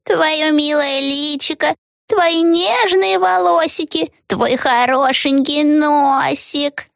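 A woman's voice: high voice, lively intonation, no echo, clean studio sound, pitched above the performer's own voice. Woman voicing a sugary scheming old witch. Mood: sugary sing-song. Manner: drawn-out, sing-song, fake tender. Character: scheming old female witch, falsely sweet.

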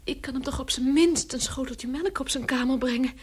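An actress playing a caring, earnest young daughter in a radio play, gentle and pleading in manner. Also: female voice, high voice, brisk, husky. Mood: concerned, eager.

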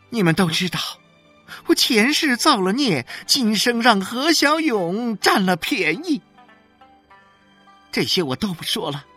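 A woman voicing a furious, boastful wife who shrilly scolds the neighbours in a storybook. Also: a bit bright. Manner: shrill, scolding, drawn-out emphasis.

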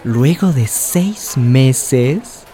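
A woman's voice: a bass voice, expressive, very slow, warm tone, some chatter behind, slight background noise, heavily acted. A woman playing a hopeful, sensitive young trans woman who confides her life story in a radio drama. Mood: reflective narrating. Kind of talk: radio drama narration and dialogue.

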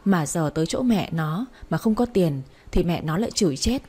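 A woman's voice: lowish voice, expressive, normal speed, warm tone, husky. A woman narrating a first-person family drama story, voicing a defiant daughter. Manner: defiant retorts in the daughter's lines.

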